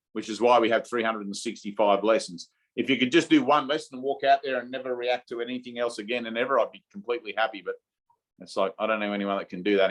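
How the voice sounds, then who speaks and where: Guy doing a laid-back spiritual talk on a video call, mid pitch, keeps saying okay? right?. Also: fairly bright tone, low-quality recording. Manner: informal, repeats "okay?" and "right?" to check in. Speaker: spiritual teacher leading a satsang. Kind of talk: casual spiritual teaching over video call.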